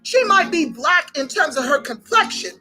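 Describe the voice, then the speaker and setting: Woman host, rallying commentary, very high voice, faint music under it. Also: moderate pace, low-quality recording. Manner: animated, rallying, addresses listeners as family. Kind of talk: online commentary show.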